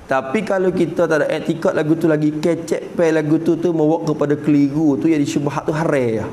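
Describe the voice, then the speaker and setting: A man with a Patani Malay accent leads a traditional kitab lesson in a slightly high voice. He explains patiently and checks his students' understanding with rhetorical questions. A faint hiss runs under the recording. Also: fairly even intonation, quick pace, dark tone, rough recording. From Patani, southern Thailand. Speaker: religious teacher.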